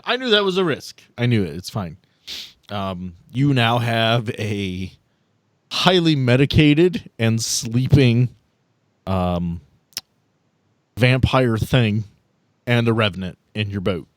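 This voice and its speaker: A man's voice: medium pitch, animated, takes it slowly, pauses often, no room sound, clean studio sound. A man narrating a tabletop roleplaying game as game master, in an informal way with some swearing.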